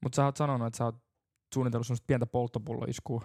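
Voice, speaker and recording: Gravelly-voiced young man, joking. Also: mid-range voice, flat delivery, darkish tone, dry recording, clean studio sound. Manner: rambling, teasing, laughs easily. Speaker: podcast co-host. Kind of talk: casual banter.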